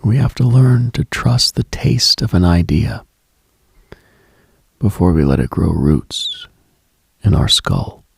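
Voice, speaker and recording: A man hosting a late-night mystical radio monologue in a hushed, musing, ASMR-like way, with frequent pauses and a husky, breathy, gravelly voice. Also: low-pitched, lively intonation, no echo, clean studio sound. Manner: hushed, musing, pausing often.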